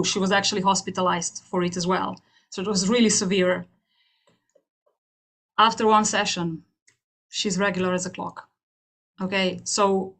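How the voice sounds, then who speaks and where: A woman's voice: medium pitch, fairly bright tone. A woman from Slovenia with a Slovenian accent, giving a personal testimonial as a therapist in an earnest, emphatic way, often repeating phrases. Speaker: hypnotherapist speaking at an open house. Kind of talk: personal testimonial to an online audience.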